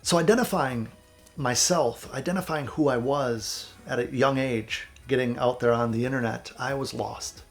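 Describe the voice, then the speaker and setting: A man in his thirties from central Wisconsin, a music producer giving earnest, candid motivational advice to camera, raspy and stuffed up with a cold. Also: medium pitch, normal speed. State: sick with a cold, stuffy nose. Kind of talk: vlog advice talk to camera.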